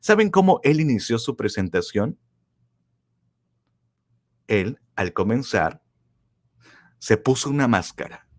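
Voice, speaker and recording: A male speaking coach lectures with a lively, swooping voice that moves through its whole range. He is emphatic, keeps firing rhetorical questions at his listeners and repeats his key lines for effect. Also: takes it slowly, long pauses. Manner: emphatic, with wide swings of pitch and loudness; asks the audience rhetorical questions. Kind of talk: motivational lecture.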